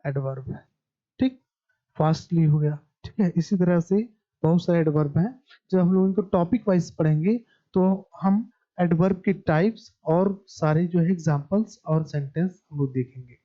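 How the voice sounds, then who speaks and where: A man teaching a basic grammar lesson, slowly repeating terms and asking questions that he then answers himself. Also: on the high side. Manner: slow, repetitive, asks and answers his own questions. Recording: dull lo-fi recording.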